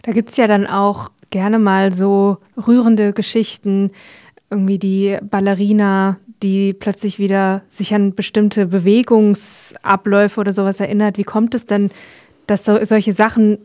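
Give me a curious woman interviewer with an even, mellow voice. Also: mid-range voice, measured pace. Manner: curious, conversational questioning. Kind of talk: interview questions.

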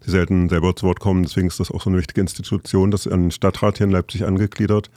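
A man hosting a community radio show, introducing a segment and interviewing a guest in a relaxed, loose way. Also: low voice, racing, no echo.

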